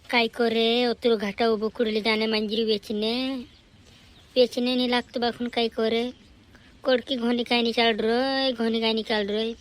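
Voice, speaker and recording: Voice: medium pitch, little pitch movement, normal speed, close to an everyday voice. An actor voicing a stubborn village farmer father in a cartoon comedy, speaking with a rural Madhya Pradesh tribal accent. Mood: complaining. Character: village farmer father selling a goat at market, haggling stubbornly.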